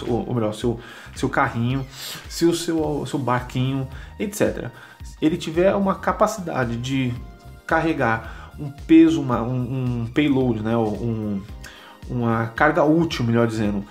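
A man with a Brazilian Portuguese accent giving a casual, informal product demonstration, often adding short tag questions as he goes. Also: mid-range voice. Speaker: product reviewer and drone vlogger.

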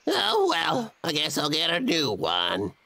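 A hapless, scheming cartoon lumberjack who is full of himself and quick to blow up. The voice is high and swings wildly, with a creaky edge, over loud music. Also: male voice, huge pitch swings, full character voice. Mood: grumbling. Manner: theatrical, exclaiming and muttering to himself. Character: scheming, hapless, boastful male logger with a short temper. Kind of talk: cartoon voice acting. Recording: music behind the voice.

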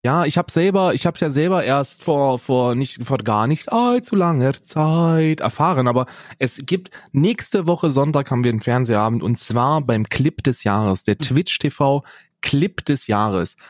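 A man's voice: mid-range voice, lively intonation, unhurried, dry recording, clean studio sound. Rambling male podcast co-host. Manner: rambling, many restarts and fillers. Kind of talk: casual chat.

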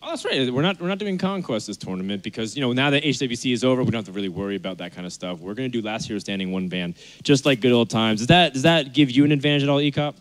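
A man's voice: mid-range voice, lively intonation, racing, few pauses, no echo. A man hosting a live pre-match interview with players, upbeat and teasing. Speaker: esports interviewer host.

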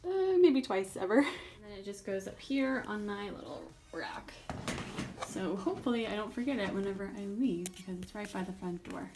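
A woman's voice: mid-range voice, expressive, moderate pace, music in the background. A young woman chatting casually in a vlog, talking in an easygoing way full of "like" fillers. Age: young adult. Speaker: vlogger.

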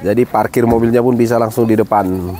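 A man's voice: fairly low pitch, steady tone. Friendly middle-aged man vlogging outdoors. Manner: friendly, unhurried, exclaims at the views. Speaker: travel vlogger. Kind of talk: casual travel vlog narration. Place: outdoors by a lake. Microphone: phone at arm's length.

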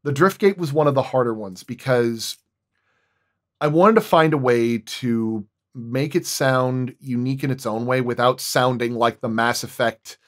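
A man talking casually as a guest sound designer, in a halting, hesitant way. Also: mid-range voice. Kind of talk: casual roundtable chat.

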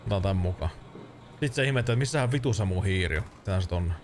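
A man's voice: low voice, lively intonation, noisy background. Swearing, joking man streamer. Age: 30s. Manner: swears often, joking and rambling. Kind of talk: casual let's-play commentary.

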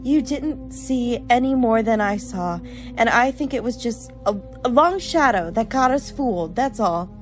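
A woman playing a chatty, brisk college girl in a radio horror drama. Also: fairly high pitch, expressive, soft background music. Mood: impatient, dismissive. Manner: chatty, colloquial.

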